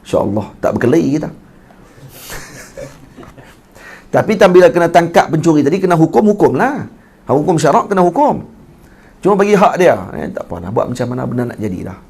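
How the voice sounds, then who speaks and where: A religious teacher with a Kedah Malay accent gives a sermon, teaching with animated emphasis and slowly chanting classical Arabic text. His voice is fairly high, husky, and touched with vocal fry.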